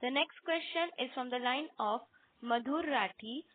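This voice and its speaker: High-voiced call operator, phone line. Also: female voice, moderate pace. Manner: formal, even announcing. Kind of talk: scripted call moderation. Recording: tinny phone line, from far off mic.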